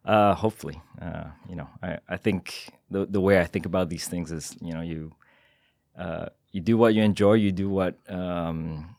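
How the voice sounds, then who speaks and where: Low-voiced Singaporean man, measured answers. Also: steady tone, creaky, darkish tone, no echo. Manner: measured and modest, with frequent hesitations. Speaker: guest. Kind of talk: interview answers. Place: podcast studio.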